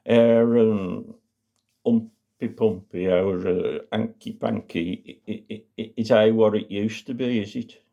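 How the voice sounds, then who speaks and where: A man's voice: fairly low pitch, fairly even intonation, slow, vocal fry, mellow, dull audio. Man doing a fumbling old Black Country man. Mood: bashful, fumbling. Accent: Black Country English. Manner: fumbling, hesitant, colloquial. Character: bashful old man of eighty-eight.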